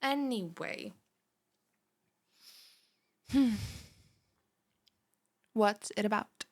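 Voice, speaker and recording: A young woman acts out a bubbly, scatterbrained female student in an intimate audio roleplay. She rambles in valley-girl style, blunt and full of filler "likes", with creaky fry in her voice. The sound is very dry, with no room around it. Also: medium pitch, expressive, very slow, no echo, exaggerated voice. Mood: curious, insistent. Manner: rambling valley-girl chatter full of "like", sighs and breathy asides. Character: chatty, scatterbrained, over-caffeinated bimbo female college student, bubbly and blunt.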